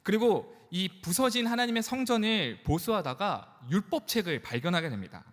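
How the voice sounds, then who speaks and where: A man's voice: high voice, animated, normal speed, fairly bright tone. A man in his thirties, a pastor preaching to young adults in a conversational, joking way, in a church. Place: church sanctuary. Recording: church hall reverb.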